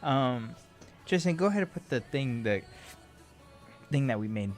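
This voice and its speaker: A man's voice: medium pitch, expressive, moderate pace, faint music behind. A man in his twenties hosting a casual Christian radio talk show, teasing his brother and rambling loosely. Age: 20s.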